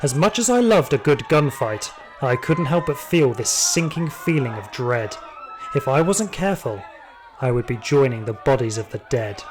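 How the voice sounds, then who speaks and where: A man's voice: mid-range voice, close to an everyday voice, rough recording. A man playing a hardened, trigger-happy security guard, telling his story in dramatic first-person audio drama narration.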